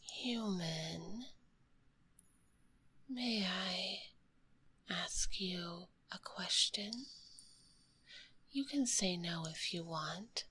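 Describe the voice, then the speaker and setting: A woman playing a kind, curious spider monster girl in a whispered ASMR roleplay, speaking gently in a breathy, politely formal way, close to a binaural microphone. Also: fairly low pitch, animated, drawn-out words, long pauses, slight background noise, heavily acted. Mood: tender, shy. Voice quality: breathy, hushed.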